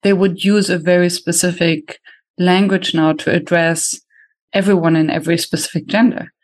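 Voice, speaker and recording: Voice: mid-range voice, little pitch movement, moderate pace. A podcast host whose first language is German, speaking English with a German accent in a thoughtful, questioning way. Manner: thoughtful, asks questions, speeds up when explaining. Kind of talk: casual podcast conversation.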